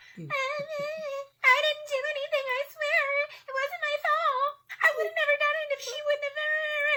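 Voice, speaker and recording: The speaker uses a squeaky, put-on character voice at an extremely high pitch. The pace is fairly slow. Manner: whining, defensive.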